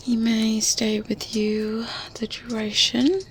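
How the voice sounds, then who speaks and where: Slow, whispering kindly witch played by a woman. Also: on the high side, level tone, low-quality recording. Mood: earnest, reassuring. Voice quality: breathy, whispered. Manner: gentle, unhurried, coaxing, little hums. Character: kindly good witch, gently teasing, motherly and reassuring. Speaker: ASMR roleplay performer. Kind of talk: softly spoken whispered ASMR roleplay. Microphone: close binaural microphone. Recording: close binaural mic with faint ambience noise. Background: medieval ambience sounds.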